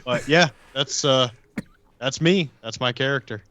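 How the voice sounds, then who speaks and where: A man casually describing his game character as a podcast player, halting and matter-of-fact. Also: mid-range voice, crowd noise.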